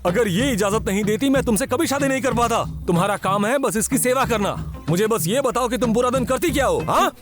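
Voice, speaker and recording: A flustered, shouting village husband. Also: male voice, very high-pitched, expressive, a little fast. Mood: exasperated. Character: exasperated village husband of two wives. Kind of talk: Hindi dub of a comedic drama. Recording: music under the dialogue.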